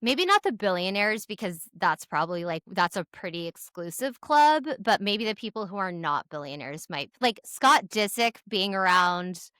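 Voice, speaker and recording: Female podcast co-host, gossipy and candid, bright medium-pitched voice, close dry sound. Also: sing-song, moderate pace, few pauses, clean tone, no echo. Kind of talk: casual chat.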